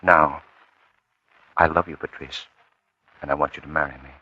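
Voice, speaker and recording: An earnest young suitor. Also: male voice, very deep voice, fairly even intonation, normal speed, no echo, heavily acted. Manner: earnest, eager, warm-hearted. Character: earnest young man in love. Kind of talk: 1940s radio acting. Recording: dull, dry old radio recording with music.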